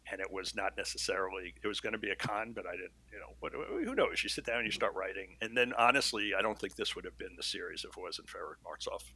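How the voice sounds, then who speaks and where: Bright, low-voiced man chatting. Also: lively intonation, quick pace, hardly any pauses, slightly rough. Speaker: guest, series creator and writer. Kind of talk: casual interview chat.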